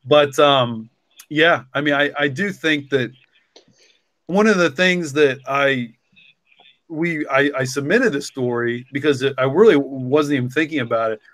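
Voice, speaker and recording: A man's voice: mid-range voice, measured pace, fairly bright tone, no echo. A man talking casually and reflectively, rambling with lots of "like" and "you know". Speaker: podcast co-creator and story author.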